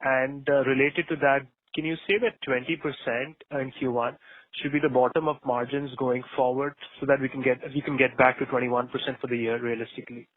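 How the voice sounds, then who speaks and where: Over a dry, narrow telephone line, a male analyst questions company management. His voice sits at a medium pitch, and he is courteous but probing, rephrasing as he presses his point. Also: level tone, fairly quick, no echo. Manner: polite, probing. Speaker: financial analyst asking questions. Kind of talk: unscripted earnings-call questioning. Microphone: phone call.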